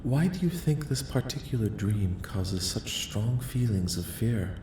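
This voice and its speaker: A man voicing a curious, polite, detached alien researcher in a soft-spoken ASMR roleplay, questioning in formal, clinical, measured phrases. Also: very animated. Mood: calm, curious. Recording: echoing voice with faint rumbling noise.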